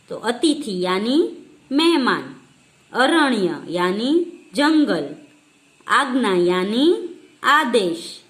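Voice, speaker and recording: A woman teacher from India walking children slowly through a language lesson, dictating answers step by step. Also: a little high. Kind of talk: slow explanatory lesson for children.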